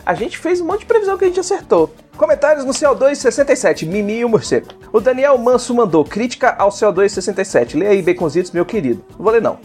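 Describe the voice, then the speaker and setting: Lively, slangy Brazilian man on a podcast. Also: high-pitched, fast, few pauses, faint music behind. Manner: jokey, slangy, often laughing. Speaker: podcast co-host. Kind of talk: casual chat, reading listener comments.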